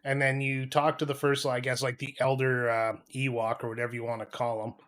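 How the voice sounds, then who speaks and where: A man's voice: medium pitch, little pitch movement, a little fast, a bit bright. A man co-hosting a podcast, casually reviewing video games with blunt, informal complaints. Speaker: podcast co-host.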